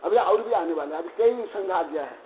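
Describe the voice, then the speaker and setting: Religious teacher, male, high-pitched, chants then lectures conversationally with questions; tinny lo-fi sound, echoey hall. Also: expressive, a little fast. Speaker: Jain monk teaching scripture. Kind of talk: scripture class lecture.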